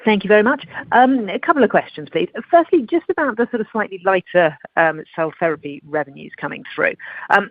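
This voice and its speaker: A woman's voice: mid-range voice, lively intonation, brisk, no echo. A woman, an analyst asking questions conversationally on a call. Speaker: financial analyst. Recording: tinny, narrow phone line.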